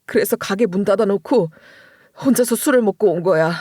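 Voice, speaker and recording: A woman voicing a drunk young husband who sobs out slow, aggrieved complaints in a story narration. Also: mid-range voice, darkish tone, no room sound, studio quality, natural voice. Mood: tearful, aggrieved.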